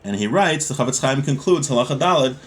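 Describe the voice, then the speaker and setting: A man of ordinary middle pitch teaches a class on Jewish law in an unhurried, explanatory way. He reads brief lines and then restates them in everyday English, repeating the key ideas so listeners can follow. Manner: calm, explanatory, repeats points for clarity. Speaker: Torah teacher. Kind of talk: text study class, reading Hebrew then explaining in English.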